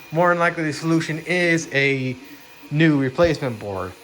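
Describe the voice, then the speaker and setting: A man talks fairly quickly, his intonation fairly level, with noticeable noise in the background. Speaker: 3D printing YouTuber. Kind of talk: casual tutorial vlog. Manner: halting, many filler words; slurred speech.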